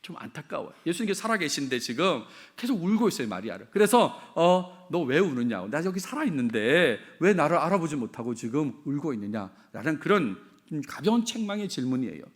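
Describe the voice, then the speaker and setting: Middle-aged male pastor, fairly high voice, very animated delivery, echoes his key lines back to the pews. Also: a little fast, hardly any pauses. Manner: expressive, repeats key phrases, asks the congregation questions. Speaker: senior pastor. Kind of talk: sermon.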